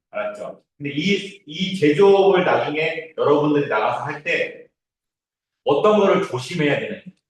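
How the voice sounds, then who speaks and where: A man giving an informal, easygoing orientation talk to a class as their instructor, reassuring and often checking that listeners follow. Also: a little high. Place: indoor classroom, recorded from a distance. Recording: very echoey room, distant mic.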